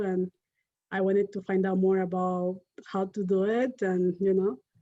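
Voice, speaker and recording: A dark, mellow tone with a Spanish accent, moderate pace and monotone, flat intonation. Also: woman. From Peru. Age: 40s. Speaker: real estate investor. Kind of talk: personal testimony. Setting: video call.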